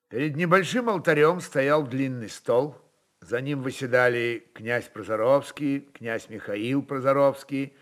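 A male narrator reads literary prose with dramatic weight. His pace is slow and measured, with expressive stresses and heavy pauses in a middle-pitched voice.

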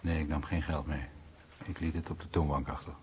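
An actor playing a weary, troubled American veteran, husky and plain-spoken, in a radio documentary drama. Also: male voice, a bass voice, fairly even intonation, fairly quick, darkish tone, muffled recording, slight background noise. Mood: subdued, evasive. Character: weary, troubled American veteran recalling his bomber crew days.

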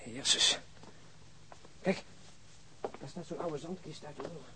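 An actor playing a low-key, wary detective in a radio drama, speaking in a subdued, matter-of-fact mutter. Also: male voice, a little slow, background noise, natural voice. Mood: uneasy, reluctant. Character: low-key, wary male police detective searching a flat.

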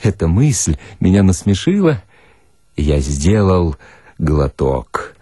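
A man giving a theatrical, expressive first-person reading of satirical short stories, with deliberate pauses and a husky voice. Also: low-pitched, no room sound, clean studio sound. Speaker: narrator, reader of literary stories.

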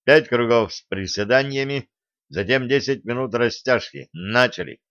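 A man's voice: medium pitch, moderate pace, vocal fry, fairly bright tone, no room sound, highs cut off. A man voicing a stern, strict karate sensei with a curt way of speaking.

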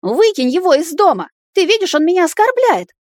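A woman voicing a shrill, indignant young woman who squeals and fires off demanding questions. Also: very animated, a little fast, dry recording, clean studio sound. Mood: hysterical.

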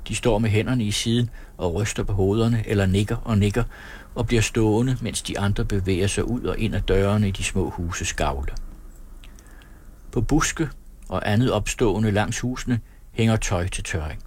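Low husky male narrator. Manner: steady, descriptive reading. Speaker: audiobook narrator. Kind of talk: scripted narration.

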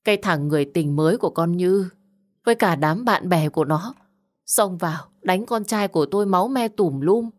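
A woman voicing an aggrieved, vengeful middle-aged mother who shouts threats in an audio story. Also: lowish voice, animated, moderate pace. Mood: indignant. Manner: shouting, indignant.

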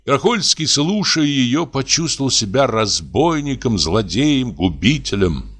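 A man narrating a classic story in an expressive, dramatic audiobook reading. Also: fairly low pitch, moderate pace.

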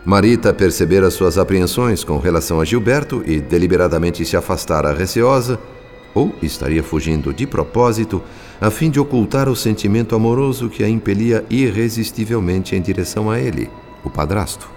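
This is formal, solemn radio-drama narration read from a script by a man with a Brazilian accent. His low, darkish voice moves fairly quickly over faint background music.

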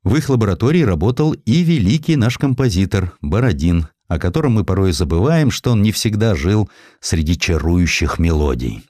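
Deep-voiced man narrating history with lively intonation. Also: normal speed, no room sound, studio quality. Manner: theatrical storytelling, addresses the listener. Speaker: audiobook narrator. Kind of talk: dramatized scripted narration of historical sketches.

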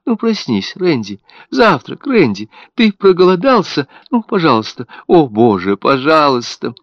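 A man's voice: a little high, expressive, measured pace, a bit bright, no echo, pitched above the performer's own voice. A man voicing a young mother in hysterical despair, shrieking and pleading frantically in an audiobook. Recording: dull, dry audiobook recording.

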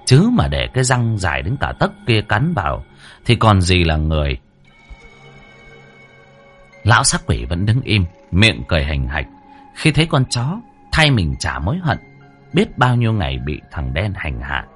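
A man narrating a scripted story with dramatic, expressive delivery. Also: deep voice, normal speed, faint music behind.

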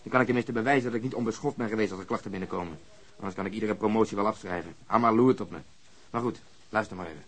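A man's voice: lowish voice, very fast, a bit bright. A man acting in a radio drama as a brusque, sardonic police detective with a matter-of-fact delivery. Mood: sardonic, disgusted. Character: brusque, cynical, sarcastic male police detective.

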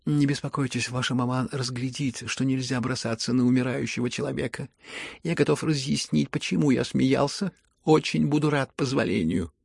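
A man reading a storybook who voices a dying young man, calm and ironic, speaking hoarsely at barely a whisper. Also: mid-range voice, moderate pace, no room sound, studio quality. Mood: weary.

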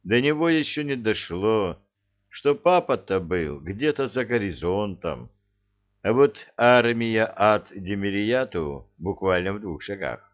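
A male narrator reads a fantasy story unhurriedly, his pitch swinging widely as he dramatizes the action. The recording is dull and lo-fi. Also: slow. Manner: animated, theatrical reading. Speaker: audiobook narrator.

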